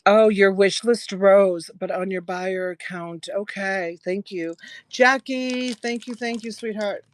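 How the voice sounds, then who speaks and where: A woman's voice: mid-range voice, takes it slowly, dry recording. A woman in her early sixties chatting with viewers while selling jewelry live, laughing often and thanking buyers by name. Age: 60s. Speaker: live-stream jewelry seller. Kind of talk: casual live-selling chat.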